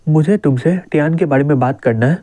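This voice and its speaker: A man reads a fatherly police captain in a manga recap. He is calm and quietly teasing, with a mellow, slightly high voice. The sound is dry and close. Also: brisk, dry recording, close to an everyday voice. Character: older male police captain, fatherly and shrewd.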